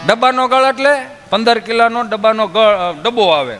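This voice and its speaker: High bright-voiced man telling folk jokes. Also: normal speed, big-room sound, faint music behind. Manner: acts out villagers' voices in his tales. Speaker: folk comedian. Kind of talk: Gujarati folk comedy storytelling on stage.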